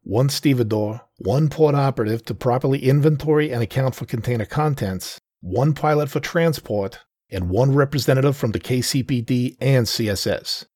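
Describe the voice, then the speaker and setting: A man doing a brisk, commanding police sergeant. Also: medium pitch, a little mellow, slightly rough, dry recording, clean studio sound, voice pushed up, natural voice. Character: adult male police sergeant giving brisk orders.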